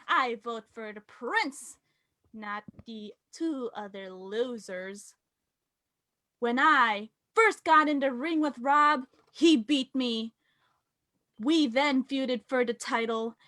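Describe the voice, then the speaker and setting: Woman playing a slow, haughty royal prince wrestler. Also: a little high, pushed and bright, no echo. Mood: defiant. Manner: pompous, measured trash talk. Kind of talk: staged reading of wrestling promo.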